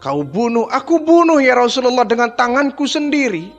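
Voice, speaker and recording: A man's voice: very high-pitched, animated, unhurried, a bit bright, highs cut off, soft background music, full character voice. A man voicing a repentant male Arab chieftain who pleads emotionally in a retold story. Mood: remorseful.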